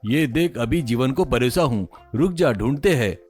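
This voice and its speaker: A man's voice: medium pitch, lively intonation, normal speed, a little mellow, soft background music, lightly acted. A man voicing a patient, put-upon village cook who talks plainly, in a cartoon story. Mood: matter-of-fact.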